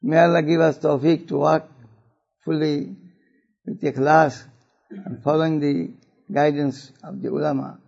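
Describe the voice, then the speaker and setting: An older man with a South Asian accent gives a religious talk to an audience, phrasing deliberately and dropping in Urdu and Arabic phrases. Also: fairly high pitch, little pitch movement, vocal fry, darkish tone, lo-fi sound. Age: older, 70s or above. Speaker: religious speaker.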